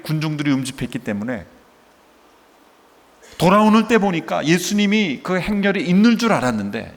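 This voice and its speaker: A middle-aged male pastor preaching a sermon with rhetorical questions and acted-out dialogue. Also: on the high side. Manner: emotive preaching, asks rhetorical questions, acts out quoted dialogue. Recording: long hall reverb.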